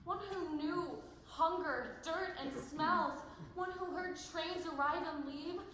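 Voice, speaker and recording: A woman's voice: very high-pitched, takes it slowly, a bit bright, heavily acted. A young woman acting a steadfast Jewish girl survivor in a stage play, in a very echoey, noisy hall. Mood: haunted, solemn. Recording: very echoey hall, clear background noise.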